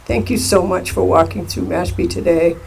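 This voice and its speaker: An older man giving a heartfelt, earnest public address at a rally in a deliberate way. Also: sits high, gravelly, darkish tone. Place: outdoor rally. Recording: noisy outdoor event recording.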